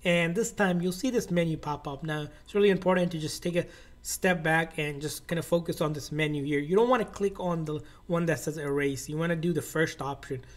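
A man's voice: on the high side, brisk. A man narrating a step-by-step tech tutorial in an informal, instructional way, often repeating his phrasing.

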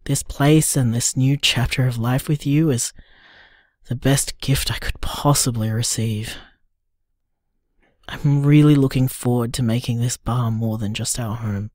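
An actor playing a tender, upbeat young gay man in an audio drama, talking in a soft, musing, affectionate way. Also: medium pitch, steady tone, a little slow, no room sound, studio quality, lightly acted.

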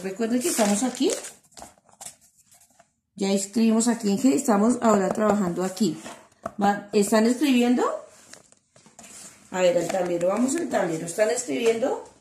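Woman teacher, patient and slow, sounding out syllables for small children, echoey room. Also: medium pitch, lively intonation, dark tone, a little hiss or hum. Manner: slow, syllable-by-syllable dictation with endearments. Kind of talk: online class for young children.

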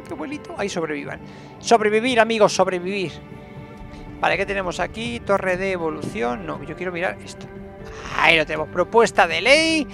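A gameplay streamer with a high, creaky male voice offers casual let's-play commentary. He's chatty and talks to the characters in his game.

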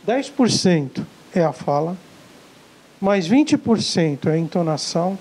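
High-voiced Brazilian man lecturing. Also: big pitch swings, a little slow, a little mellow, husky, rough recording. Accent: Brazilian Portuguese. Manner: emphatic, repeats key words, acts out dialogues. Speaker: sales coach giving a lecture. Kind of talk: live motivational lecture. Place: lecture hall with a live audience.

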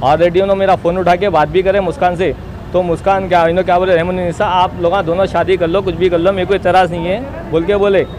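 A man's voice: sits high, level tone, fast talker, darkish tone. A young man with a Hyderabadi accent giving an insistent, repetitive, self-justifying statement to reporters outdoors. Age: young adult. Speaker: interviewee giving a statement to local news. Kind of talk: spoken personal testimony to reporters. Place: outdoors beside a street wall. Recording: outdoor street noise behind.

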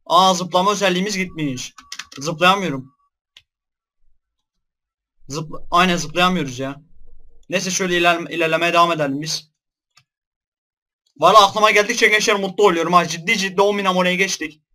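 A young man giving let's-play commentary on a horror game, jumpy and shouting in fright, then joking. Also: sits high, normal speed, long pauses. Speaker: gaming YouTuber.

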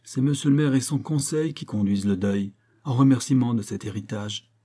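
Guy reading a sly gendarme, pointed needling lines, warm dark husky voice. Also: medium pitch, normal speed, lightly acted. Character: shrewd male country gendarme, probing and pointed. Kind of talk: audiobook character voice.

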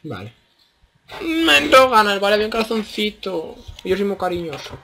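A young man mutters and jokes through a game, his voice bright and forward. He rambles to himself in a casual, playful way. Faint hiss and clicks sit behind him. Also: sits high, big pitch swings, normal speed, gravelly. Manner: chatty, joking, mutters to himself. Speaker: gaming youtuber. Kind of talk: casual gameplay commentary.

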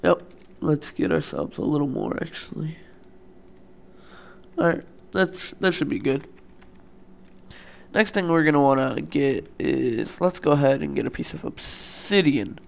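A young man hosting a let's play, talking loosely with lots of fillers, his voice a bit raspy from the morning, at a desktop mic at home. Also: fairly high pitch, lively intonation, unhurried, pauses often. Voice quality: loose, rambling, filler-heavy. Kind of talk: casual gameplay commentary.

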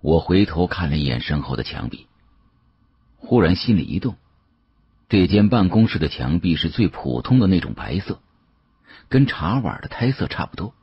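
A man narrating an audiobook in the first person, dramatic, expressive and musing. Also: low voice, moderate pace, pauses often, slightly rough, lo-fi sound.

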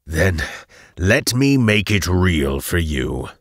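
A man's voice: low voice, very animated, slow, dry recording, studio quality, heavily acted. A man voicing a wrathful male necromancer in a fantasy audiobook, bellowing venomous, defiant threats. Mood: menacing. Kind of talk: dramatic fantasy audiobook character.

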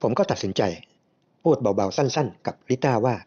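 Mellow-voiced man narrating his own story. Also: medium pitch, moderate pace. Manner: calm, earnest storytelling. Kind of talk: first-person story narration. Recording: slightly muffled lo-fi recording.

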